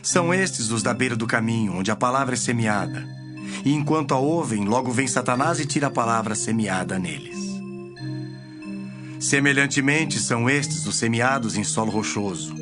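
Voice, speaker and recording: A man playing Jesus as a solemn, measured teacher in a dramatized audio Bible. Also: medium pitch, animated, natural voice. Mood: solemn teaching. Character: Jesus, solemn teacher telling parables to followers. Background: music.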